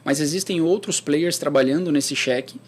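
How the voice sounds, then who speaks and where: A man, speaking as a guest in a relaxed interview. His voice sits a bit high for a man. He talks in an easygoing way, circles back on his phrases and poses questions to himself as he goes. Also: moderate pace. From interior of São Paulo state, Brazil. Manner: relaxed and conversational, with frequent restarts and rhetorical questions. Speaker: guest, startup accelerator professional. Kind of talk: casual interview chat.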